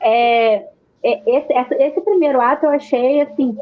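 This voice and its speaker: A woman's voice: sits high, fairly even intonation, moderate pace, muffled recording. A woman with a Carioca accent chatting casually about films in informal Rio street slang, with casual swearing. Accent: Carioca (Rio de Janeiro). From Rio de Janeiro, Brazil. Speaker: panelist discussing films.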